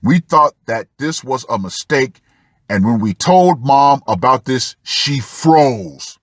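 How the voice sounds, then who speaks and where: A man narrates a written personal account at a very slow pace. His delivery is dramatic and drawn out, with pauses between phrases. The sound is dry, with no room around the voice. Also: medium pitch, lively intonation, dry recording. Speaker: host of a commentary channel. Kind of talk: reading a personal post aloud with asides.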